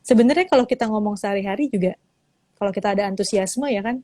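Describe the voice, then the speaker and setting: A woman's voice: medium pitch, fast, mellow, no room sound. A woman from teaching public speaking in a casual live-stream chat, explaining and acting out examples with changing intonation. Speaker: public speaking lecturer, guest. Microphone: live-stream phone mic.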